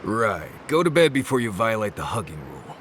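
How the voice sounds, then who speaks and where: A man playing a gruff, sardonic adventuring companion in a video game, blunt with a dry wit. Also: lowish voice, sing-song, a little fast, a bit bright, a little hiss or hum. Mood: gruffly teasing. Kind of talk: video game character acting.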